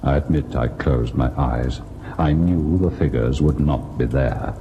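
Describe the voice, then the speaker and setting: An actor playing a haunted husband who tells and relives a ghost story in a grave, deliberate radio drama style. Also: male voice, a bass voice, mellow. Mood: grave, uneasy. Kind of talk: old-time radio ghost story acting, narrating and in scene. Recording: noisy old radio drama recording.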